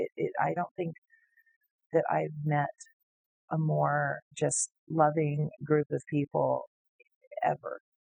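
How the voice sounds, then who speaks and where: A woman with a West Coast accent, very slow in pace, with long, frequent pauses. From Grants Pass, Oregon, USA. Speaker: burlesque performer. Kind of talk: oral history interview answer.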